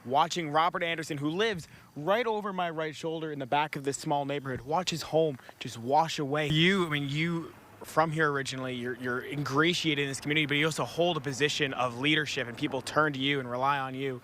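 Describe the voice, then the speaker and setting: A man's voice: fairly high pitch, brisk, fairly bright tone, slight background noise. A man working as a TV news reporter, doing live field reports on location outdoors in an upbeat, chatty way.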